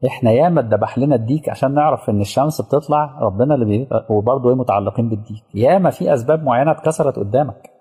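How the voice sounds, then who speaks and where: A man's voice: medium pitch, racing, few pauses, warm tone, slightly rough. A man with an Egyptian accent giving a casual religious lecture, telling stories and checking that the audience is following. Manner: engaging, asks the audience rhetorical questions. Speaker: preacher. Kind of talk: colloquial religious lecture with storytelling. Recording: reverberant hall sound.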